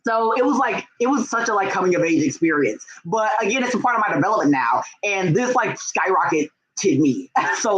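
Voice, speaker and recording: A young man chatting casually on a livestream as a book vlogger, gushing and excitable, with slangy phrasing full of "like" and "y'all". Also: high-pitched, highs cut off. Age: young adult.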